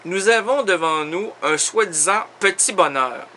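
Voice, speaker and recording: A man's voice: sits high, expressive, unhurried, pushed and bright, slight background noise. A man playing a mock-formal interviewer in a comedy sketch, questioning with growing exasperation.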